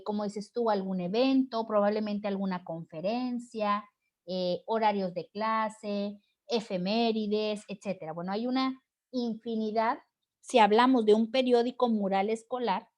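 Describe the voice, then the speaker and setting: A woman's voice: mid-range voice, a little mellow. A woman teacher leading an online class discussion, encouraging students and tagging her points with "right?". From Mexico. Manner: encouraging, frequent "¿verdad?" tag questions. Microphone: video call.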